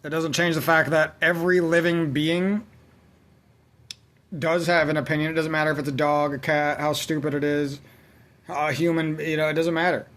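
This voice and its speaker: A man's voice: on the high side, little pitch movement, normal speed, a bit bright. Profane, rambling young man venting. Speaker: gaming channel host. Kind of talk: ranting let's-play commentary.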